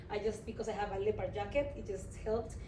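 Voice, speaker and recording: Over noticeable background noise and audible room echo, a woman talks in a fairly high voice. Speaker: public speaking club participant. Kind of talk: feedback discussion. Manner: fast; energetic, expressive.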